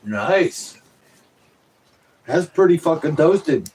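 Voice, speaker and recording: A man's voice: on the high side, lively intonation, extremely slow, background noise. A man joking dryly in a casual family chat, coughing now and then. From born in Colorado, raised in Oregon. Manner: wisecracking, dry jokes, coughing.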